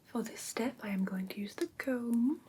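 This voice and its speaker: A woman playing a gentle vampire teacher in a whispered ASMR roleplay lesson, patiently instructing in a breathy whisper close to the microphone. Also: a little high, expressive, moderate pace, a little hiss or hum, lightly acted. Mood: gentle, instructive. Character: gentle female vampire teacher of human pet care. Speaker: host of a roleplay class, as instructor.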